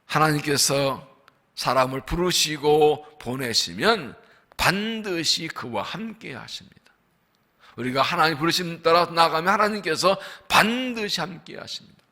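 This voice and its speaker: A man preaching a dawn revival sermon as senior pastor, swinging between fervent outbursts and hushed asides and acting out the dialogue of biblical figures. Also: fairly high pitch, a little slow.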